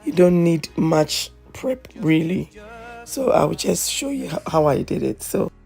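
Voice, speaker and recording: A woman hosting a cooking video, chatty and hoarse from a flu, often checking in with "okay?". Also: deep voice, lively intonation, measured pace, dark tone, faint music behind. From Ghana. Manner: chatty, repeats phrases, asks "okay?" often. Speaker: cooking channel host. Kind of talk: casual cooking tutorial.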